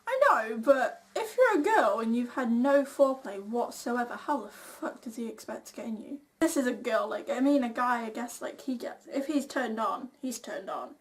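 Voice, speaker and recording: A woman's voice: on the high side, expressive, moderate pace, hardly any pauses. A young woman co-hosting a question-and-answer video, chatting casually in a blunt, informal way. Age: young adult. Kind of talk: casual chat.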